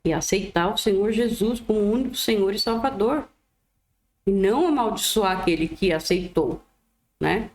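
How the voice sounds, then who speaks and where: A woman reading the Bible aloud in a gentle, devout way, adding her own commentary and a prayer. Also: mid-range voice, expressive, normal speed. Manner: gentle, devout, often adds "né". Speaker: Bible reader. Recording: echoey room.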